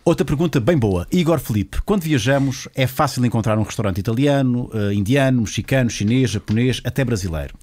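A man's voice: medium pitch, animated, a little fast, hardly any pauses, a little mellow. A man in his forties hosting a podcast, chatting in a chummy, slangy way in a studio on a headset mic. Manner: chummy, slangy, calls the guest "mano". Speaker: podcast host. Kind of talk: casual podcast conversation. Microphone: studio mic with headphones.

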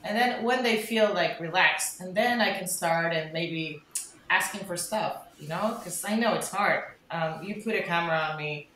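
A woman talking candidly on a podcast about her wedding photography work, animated, with lots of fillers and the odd swear word. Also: on the low side, normal speed, roomy sound, slight background noise, rough recording. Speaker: wedding photographer and filmmaker guest. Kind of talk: casual podcast chat.

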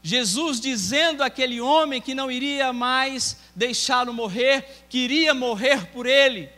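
A Brazilian evangelist preaches in a long-reverb church hall, his voice high and bright. He tells a story to the congregation and voices its characters as he goes. A mains hum runs under the recording. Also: a little slow. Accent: Brazilian Portuguese. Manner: storytelling, voicing dialogue within the tale. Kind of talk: sermon. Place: church sanctuary.

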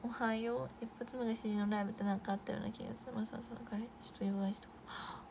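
Young woman, idol live stream chat, slightly high voice, gravelly, excitable, faint background hum. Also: fast talker. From Japan. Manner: chatty, bursts into high excited exclamations and soft whispers. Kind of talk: casual live stream chat reading comments.

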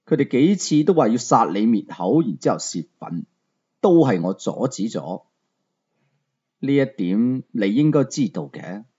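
A man voicing a calm, commanding black-robed elder in slow, quiet, Hong Kong-accented Cantonese for a story. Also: medium pitch, breathy edge, muffled recording.

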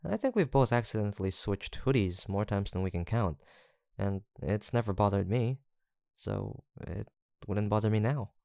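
A man playing a gentle, teasing young college roommate in an intimate audio roleplay, with a soft-spoken, hesitant manner. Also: fairly low pitch, animated, moderate pace, gravelly, no echo, studio quality. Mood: caring, playful. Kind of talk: intimate boyfriend-style roleplay acting, one-sided conversation.

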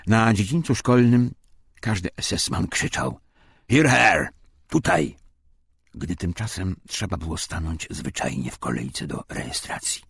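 A man's voice: sits low, normal speed, creaky, breathy edge, dry recording, clean studio sound. A man reading a first-person war memoir as a scripted audiobook, in a grave, dramatic storytelling manner. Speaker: audiobook narrator.

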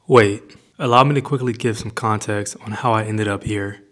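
A man's voice: lowish voice, moderate pace, faint music behind. A young adult man from California hosting an interview, eager and chatty, seated on a sofa with a lapel mic. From California, United States. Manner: eager, many "yeah" fillers. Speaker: host. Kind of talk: casual interview; narrated intro. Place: living room with leather sofa.

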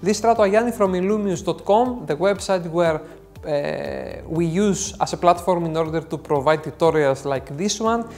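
Young Greek-accented male tutor, earnest and methodical, talks through each step with short pauses. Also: fairly high pitch, darkish tone. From Greece. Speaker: photo editing tutor. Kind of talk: software tutorial narration. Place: dark studio indoors.

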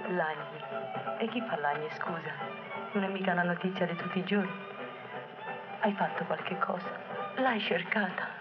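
An actress playing a worried, indignant working-class wife, pressing and reproachful, in a 1940s Italian film. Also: female voice, fairly low pitch, a little slow, long pauses, close to an everyday voice. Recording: distant, dull 1940s film soundtrack with music.

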